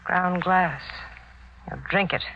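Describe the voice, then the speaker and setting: Cold, seductive scheming wife. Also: female voice, lowish voice, steady tone. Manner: intimate, deliberate persuasion. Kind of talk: 1940s radio melodrama acting. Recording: muffled old radio recording, light noise.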